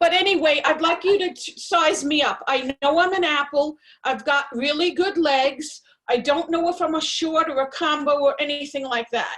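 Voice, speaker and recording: High-pitched female speech with fairly even intonation. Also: moderate pace. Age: 60s. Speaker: participant. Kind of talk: casual chat.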